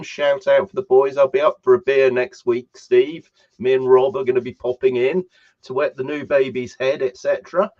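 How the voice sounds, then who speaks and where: Slow-talking man, dull audio. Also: mid-range voice. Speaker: livestream host. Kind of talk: casual unscripted livestream chat. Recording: dull, muffled livestream audio.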